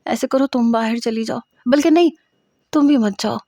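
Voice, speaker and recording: Scared young student in a storybook reading, insistent and pleading , as a woman narrator puts her on, mellow tone. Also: a little high, no room sound, clean studio sound, lightly acted.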